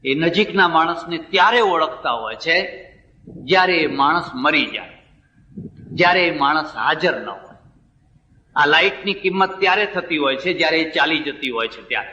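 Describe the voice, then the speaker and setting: Recorded in a hall with a distant, roomy and dull sound, a Gujarati-accented man delivers a sermon built around told stories. His fairly high voice is pushed and bright as he performs the dialogue of the people in each tale.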